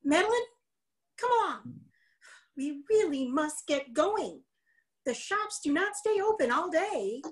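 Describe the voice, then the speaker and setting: A middle-aged woman playing a fussy, impatient, excitable mother in a staged reading, with a fluttery manner. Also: high voice, takes it slowly, long pauses, full character voice.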